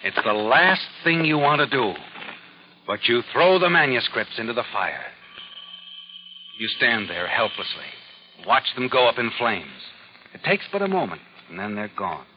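A man's voice: mid-range voice, sing-song, unhurried, a little hiss or hum. An actor playing a sinister, all-knowing narrator who taunts a guilty man in the style of 1940s radio drama. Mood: urgent, taunting. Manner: knowing, taunting, addresses the character as you. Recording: dull old radio recording, music behind.

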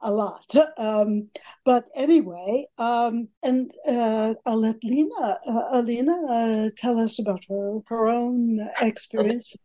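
An older woman, a history professor speaking as an interview guest in a halting, self-correcting way. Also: on the high side, dark tone. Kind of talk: conversational interview.

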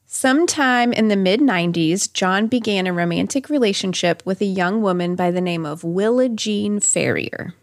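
A podcast host tells a true-crime story in a conversational way, dropping chatty asides into the narration. Her mid-range voice moves at a normal speed with hardly any pauses, and the clean studio recording has no room sound.

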